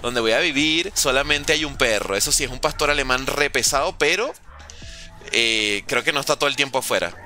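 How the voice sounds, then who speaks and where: A man's voice: mid-range voice, animated, fairly quick, pushed and bright, soft background music. A man from Venezuela, a gaming streamer chatting casually from home, reading chat aloud and joking with viewers. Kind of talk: casual live-stream chat while playing. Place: at home, room with a window.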